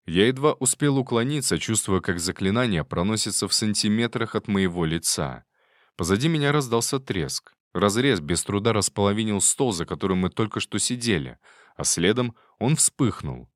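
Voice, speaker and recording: Low-voiced guy reading a fantasy audiobook, steady and measured, dry close sound. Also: dry recording. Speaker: audiobook narrator. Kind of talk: first-person fantasy audiobook narration.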